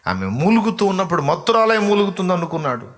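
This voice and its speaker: A male pastor preaching quickly and softly between slow sung devotional lines. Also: high-pitched, big pitch swings. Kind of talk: sermon with sung worship. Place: church livestream.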